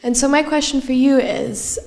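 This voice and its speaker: Young woman student, fairly high-pitched, measured question with filler ums. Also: fairly even intonation, vocal fry, darkish tone. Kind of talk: prepared audience question.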